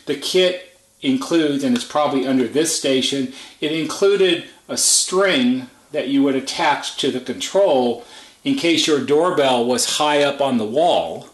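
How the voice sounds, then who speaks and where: A man with a medium-pitched voice talks through equipment in a roomy, echoing indoor space. His delivery is unscripted and matter-of-fact, explaining each detail as a technician would. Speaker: service technician presenting a product overview. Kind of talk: unscripted product walkthrough. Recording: echoey, roomy indoor sound.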